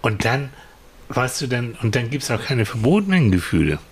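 A man co-hosting a podcast, talking in a thoughtful, halting way and repeating words as he searches for them. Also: mid-range voice, sing-song, slight background noise. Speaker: podcast co-host. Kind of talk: casual conversational chat.

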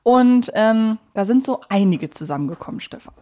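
A woman's voice: on the high side, expressive, moderate pace, warm tone. A woman hosting a podcast in a casual, chatty, informal way. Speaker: podcast host. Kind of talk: casual chat, podcast discussion.

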